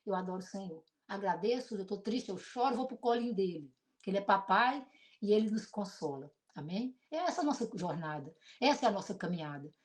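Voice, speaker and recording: A middle-aged woman pastor with a Brazilian accent and a deep voice, preaching an emotional sermon built on personal testimony. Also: brisk. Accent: Brazilian Portuguese. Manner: emotional, animated storytelling with shifts between loud and soft.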